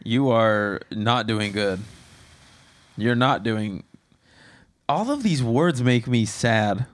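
A man co-hosting a loose, joking podcast conversation. He speaks at an ordinary middle pitch and teases his partner as he reads through a list of words. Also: expressive, slow pace. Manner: teasing, quizzing with a list of slang. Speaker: podcast co-host. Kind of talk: casual chat.

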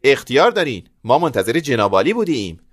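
A man's voice: mid-range voice, big pitch swings, no echo, clean studio sound. An actor playing a stingy, scheming middle-aged father in a radio play, switching from blustering to wheedling. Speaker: father of the bride.

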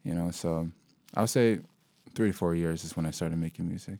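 A young man with a very low voice talks loosely and unhurriedly, circling his thoughts with fillers and restarts. He is a local hip-hop artist from Sudan being interviewed. The recording is dry and close. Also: fairly quick, no echo. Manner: relaxed, rambling, lots of fillers and restarts. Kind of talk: casual interview conversation.

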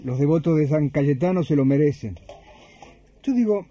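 A kindly young volunteer played by a man in a radio play, with an Argentine Rioplatense accent. The voice is very mellow and a little high, gentle and obliging, on a slightly muffled recording. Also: expressive, normal speed. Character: kindly young male church volunteer serving hot mate. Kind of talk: radio drama acting.

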